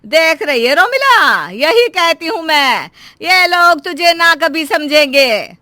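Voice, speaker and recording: A woman voicing a sharp-tongued, meddling middle-aged mother in a cartoon family story, loud and taunting. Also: high-pitched, expressive, a little slow, dry recording, studio quality, exaggerated voice. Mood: indignant.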